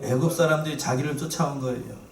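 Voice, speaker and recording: A man preaching a sermon as pastor, lively and playful, asking his congregation questions. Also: medium pitch, fast talker, vocal fry. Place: church sanctuary. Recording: echoey church from far off.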